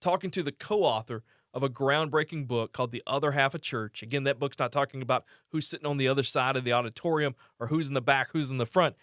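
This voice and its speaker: A man's voice: medium pitch, fast talker, hardly any pauses, a bit bright, no echo, studio quality. A man in his forties hosting a faith and parenting podcast, asking his guest questions in an earnest, conversational way. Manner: earnest, conversational, with brief laughs. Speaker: podcast host. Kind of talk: podcast interview.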